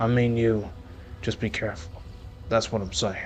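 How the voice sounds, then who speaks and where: Over clear background noise, a man mumbles quietly in a put-on character voice at a medium pitch and a moderate pace. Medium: game stream. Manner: mumbling, quiet.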